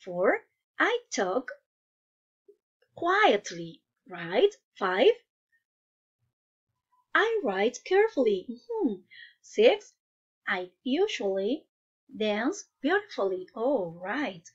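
A woman's voice: on the high side, big pitch swings, extremely slow, pauses often, breathy edge, highs cut off. A woman teaching English to young children in a patient way, asking questions and praising each answer. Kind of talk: online class lesson.

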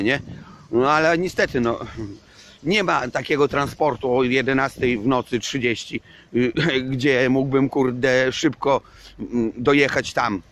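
A man talks straight to his viewers on a night walk under a street lamp, in a loose, rambling vlog. He hedges often, circles back on himself, and drops casual curse words. His voice sits at an ordinary middle pitch. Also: a bit bright. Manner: rambling, hedging, swears casually. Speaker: vlogger. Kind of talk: casual walking vlog monologue.

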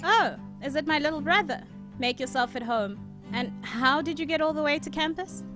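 A woman's voice: high-pitched, normal speed, natural voice. A woman playing a caring, probing young student and big sister in an audio drama, with guitar music behind. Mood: welcoming.

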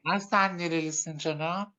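A woman hosting a casual live chat, speaking in halting, broken, simplified phrases like a foreigner. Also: low voice, fairly even intonation, pushed and bright, rough recording. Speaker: live-stream host.

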